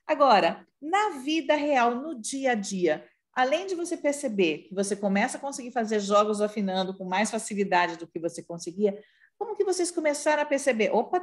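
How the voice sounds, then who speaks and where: A woman from Brazil, a speech therapist moderating a roundtable with patients, explaining and often adding "né?" tags. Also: a little high.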